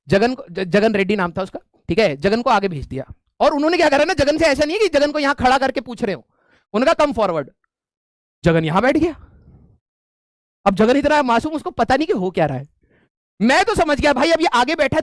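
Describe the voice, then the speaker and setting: A man's voice: extremely high pitch, no room sound. A male teacher telling a humorous story to his class with students around him, often chuckling and checking in with them as he goes.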